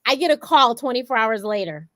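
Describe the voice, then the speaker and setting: A woman's voice: fairly high pitch, expressive, a little fast, bright, forceful tone. A woman in her forties hosting a talk show, who tells a story with animation and acts out her own quotes. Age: 40s. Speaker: host. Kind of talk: casual talk show chat.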